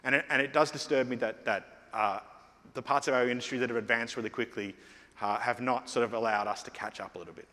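Middle-aged man, keynote speaker, loose conversational delivery, mid-pitched, long hall reverb. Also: steady tone, fast, bright, forceful tone. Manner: conversational, many fillers and restarts. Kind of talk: conference keynote talk. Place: large conference hall stage.

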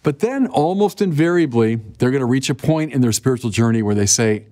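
An older man in his sixties delivers a sermon in a lively, chatty way. His pitch rises and falls freely as he speaks straight to the listeners. A close lapel mic in a quiet indoor studio picks him up. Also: fairly quick. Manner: animated, conversational preaching with direct appeals. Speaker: bishop.

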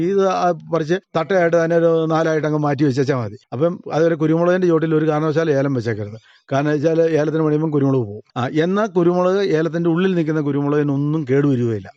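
A man's voice: on the high side, darkish tone, dry recording, highs cut off. An Idukki-accented Malayali cardamom farmer explaining his crops in a radio interview, practical and plain. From Kerala. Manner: practical, explanatory, with small restarts.

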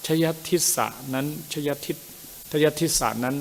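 A male Dharma teacher reads scripture aloud, sounding out the Pali words haltingly, correcting himself and adding chatty asides. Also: in a large hall, a little hiss or hum. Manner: chatty asides ending in gentle particles. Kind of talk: reading scripture aloud with commentary.

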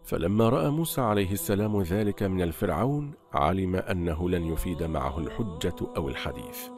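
A man narrating a religious story in a scripted, measured, solemn way. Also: low-pitched, lively intonation. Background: soft background music.

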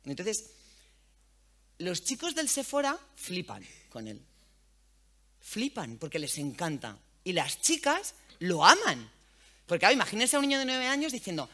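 Speaking at a normal speed, a journalist and radio host addresses a hall audience in a candid, slangy, animated way and doesn't hold back on the swearing. Her voice is bright, her pitch jumps about with energy, and she carries herself like an experienced broadcaster giving a lively public talk.

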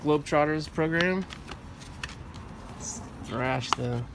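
Man, 40s, casual reseller host, curious and talkative, outdoor phone-camera sound with steady traffic noise. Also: on the high side, slow pace. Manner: chatty, curious, appraising finds aloud. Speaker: storage locker reseller, channel host. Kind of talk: casual unboxing chat. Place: outdoors on a sunny trailer by storage units.

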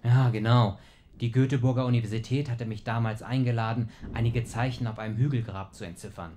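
A man's voice: mid-range voice, fairly even intonation, fairly quick, mellow, slight background noise, natural voice. Actor as driven, impatient male scholar. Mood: earnest, urgent. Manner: insistent, urgent. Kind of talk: German audio drama acting.

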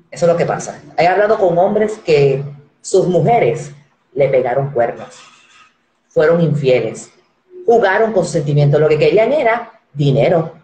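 A woman in her forties hosting a casual live-stream chat, animated and acting out the voices she quotes. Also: deep voice, reverberant, poor audio. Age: 40s. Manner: animated, acts out quoted voices, repeats words.

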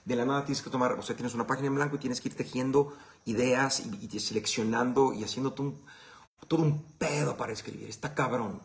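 A man's voice: medium pitch, fairly even intonation, a little fast, creaky. A man with a Mexican Spanish accent hosting a casual live Q&A. He answers viewer questions in a blunt, profane, conversational way.

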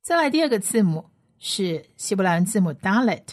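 A woman leads a radio Bible lesson, walking through Hebrew letters one by one. She talks patiently and says each sound again and again, slowly, so listeners can follow along. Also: medium pitch, very animated.

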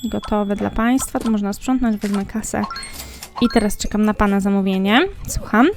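A woman's voice: medium pitch, a little mellow. A young woman casually commenting on a game she plays, chatting to the characters and viewers as she goes. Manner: chatty, talks to the game characters while playing. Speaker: gaming vlogger. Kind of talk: casual let's-play commentary. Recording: faint game music behind.

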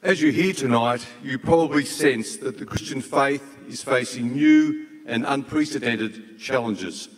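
A man in his sixties addresses an auditorium through a handheld microphone, with long hall reverb. His delivery is formal and measured, with solemn, deliberate phrasing and a medium pitch. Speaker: event host. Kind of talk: formal stage introduction and prayer. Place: large auditorium stage.

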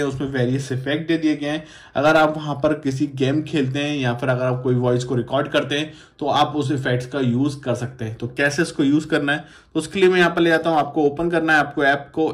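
A man, presenting a casual phone tutorial in a repetitive, instructional way, addressing viewers as friends. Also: a little high. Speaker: tech YouTuber.

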